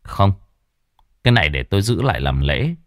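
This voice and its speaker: A man voicing a stern middle-aged village exorcist, speaking gravely and with authority. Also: sits low, big pitch swings, moderate pace, no echo, clean studio sound. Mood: commanding. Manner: grave, commanding.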